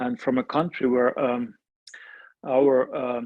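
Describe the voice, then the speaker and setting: A man speaks with an Estonian accent at a medium pitch. His pace is fairly slow. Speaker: pastor. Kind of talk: interview. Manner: halting, many fillers and repetitions.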